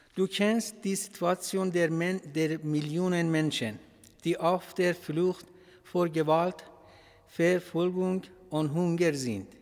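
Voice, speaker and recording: The speaker talks at a very slow pace in an Iranian accent, keeping the intonation fairly even. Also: man, high pitch for a man. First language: Farsi (speaking German). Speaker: refugee, church member. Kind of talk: prayer.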